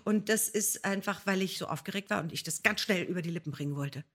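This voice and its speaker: Woman, lowish husky voice, informal, self-deprecating, casual podcast reminiscing. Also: fast talker, a bit bright. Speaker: podcast guest, voice actress.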